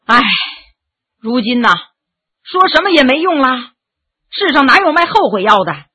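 A woman voicing a blunt, excitable but softhearted gentleman who exclaims and sighs a lot. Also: high voice, normal speed, slightly rough, exaggerated voice. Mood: exasperated. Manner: impulsive, exclaiming, sighing.

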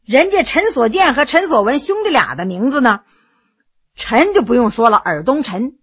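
High, lively woman storyteller. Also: normal speed, breathy edge. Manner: expressive, animated reading. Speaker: narrator. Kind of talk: storybook narration.

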